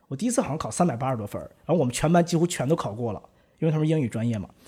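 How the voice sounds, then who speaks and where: Over a silent background in a very clean recording, a somewhat breathy voice with a dark, mellow tone speaks with lively intonation. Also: man. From Shandong, raised in Northeast China. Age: 30s. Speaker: English teacher and blogger. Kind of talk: casual chat.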